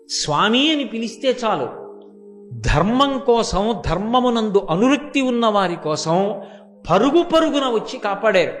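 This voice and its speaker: A man giving a devotional storytelling discourse, acting out the characters' words as he narrates. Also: sits high. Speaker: religious discourse speaker.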